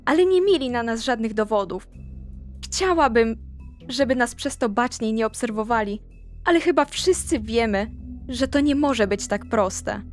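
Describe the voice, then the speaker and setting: A young woman recapping her tabletop character's story in character. She talks straight to the listener in a gossipy, confiding way, and her pitch leaps up when she gets excited. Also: moderate pace, soft background music.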